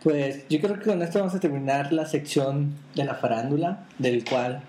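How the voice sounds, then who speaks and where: A man's voice: on the high side, normal speed, warm tone. A man hosting a casual podcast, leading the segments and teasing his co-host. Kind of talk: casual chat. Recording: roomy echo with faint background noise.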